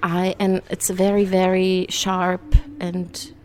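A woman born in Siberia, Russia, telling a personal story in a hesitant way with many pauses. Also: fairly low pitch, completely flat delivery, a little mellow.

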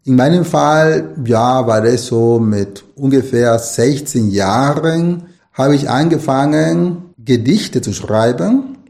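A man's voice: medium pitch, animated, takes it slowly, vocal fry, a little mellow. A middle-aged man from Nicaragua, a Spanish native speaker, answering interview questions as an author and lecturer, thoughtful and rambling with many restarts.

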